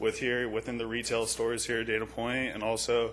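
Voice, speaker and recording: A man with an American accent speaks at a moderate pace, and the room echo is audible. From Southern California, Orange County. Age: 20s. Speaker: public commenter at council meeting, surf instructor. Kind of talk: public comment. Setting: city council meeting. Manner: halting.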